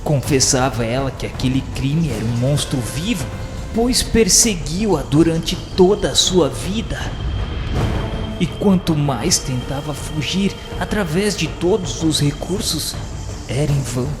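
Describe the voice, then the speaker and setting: Fairly high-pitched and animated, a man narrates a scripted radio novela a little slowly, with solemn theatricality and literary wording. The recording echoes with long reverb over clear background music.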